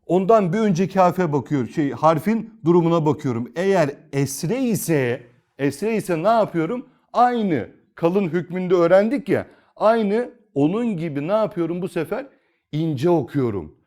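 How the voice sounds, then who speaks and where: A male Quran reading teacher, a little higher-pitched than most men, whose voice rises and falls a lot as he explains each rule. He asks his students questions and answers them himself, going over the steps again and again. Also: lively intonation, moderate pace, darkish tone. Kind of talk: step-by-step recitation lesson.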